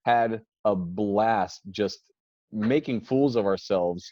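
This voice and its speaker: A man's voice: lowish voice, slow, dark tone, no room sound. A man hosting a casual podcast chat who tells long rambling stories, restarts often and laughs easily. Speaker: podcast host. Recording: dull lo-fi dry sound.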